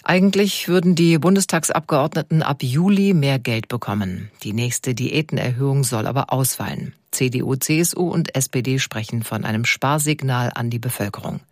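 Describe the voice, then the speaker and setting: A man reading a radio news bulletin in a measured, formal way. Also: mid-range voice, no echo, studio quality. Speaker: newsreader.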